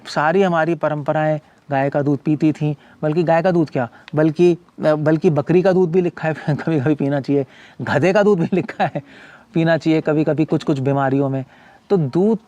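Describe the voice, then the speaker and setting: Speaking from the farm community where he owns a cow shelter, a former medical doctor turned monk explains things in a relaxed, chatty way. His fairly high, mellow voice slips in English terms, and he frequently restarts and repeats words.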